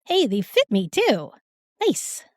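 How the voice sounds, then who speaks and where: Sassy young heroine, female actor: raised pitch, colloquial, wry, dry studio sound. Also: huge pitch swings, slow, no echo, full character voice. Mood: incredulous, amused. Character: sassy, irreverent modern young woman in a fantasy realm. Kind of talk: fantasy audio drama acting.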